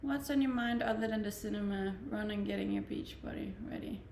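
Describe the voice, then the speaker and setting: A woman's voice: medium pitch, fairly quick, gravelly, echoey room, a little hiss or hum. A woman in her twenties with a Danish accent, chatting casually and laughing as she reads viewer comments on her stream. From Denmark. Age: 20s. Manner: relaxed, chatty, laughs often. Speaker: livestreamer.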